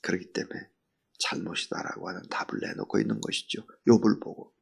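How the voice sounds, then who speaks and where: A man preaching an early-morning sermon as pastor, earnest and full of rhetorical questions, swinging from loud emphasis to near whisper. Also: on the low side, steady tone, fairly quick, creaky, slightly rough.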